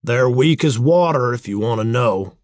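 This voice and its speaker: A man's voice: medium pitch, animated, moderate pace, no echo, clean studio sound, pitched above the performer's own voice, lightly acted. A man voicing a wry, plainspoken frontier onlooker in a storybook, with a folksy, rustic manner. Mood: blunt.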